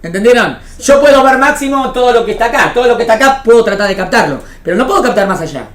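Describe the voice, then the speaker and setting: Animated and fast, her voice a little high, a woman with an Argentine Spanish accent teaches religion to a small group. She repeats phrases and keeps asking if it's understood, in a didactic, interactive lecture style.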